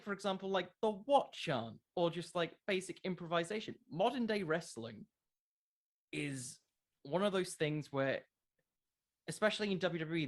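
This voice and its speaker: A man speaking as a podcast creator in a casual interview, conversational and emphatic, with a self-deprecating way of talking. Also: on the high side.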